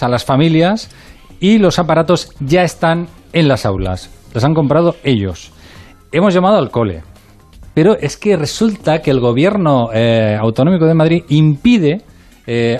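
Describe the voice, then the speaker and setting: Un hombre que cuenta una noticia en un programa de radio con tono explicativo y algunas muletillas. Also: male voice, medium pitch, darkish tone. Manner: brisk explanatory delivery with fillers. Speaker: radio news reporter. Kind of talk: radio news report and studio chat.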